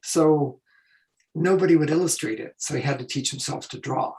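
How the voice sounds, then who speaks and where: A man illustrator telling stories on a panel, hoarse and losing his voice, speaking casually. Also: fairly high pitch, moderate pace, darkish tone.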